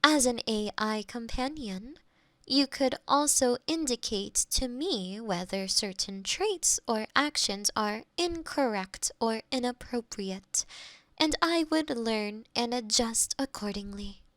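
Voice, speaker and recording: A woman's fairly high, slightly bright voice with lively intonation carries a polite, literal AI girlfriend character who is eager to please. Speaking formally and helpfully, in a measured, robotic manner, she's recorded close on a binaural mic with no room sound for scripted ASMR roleplay.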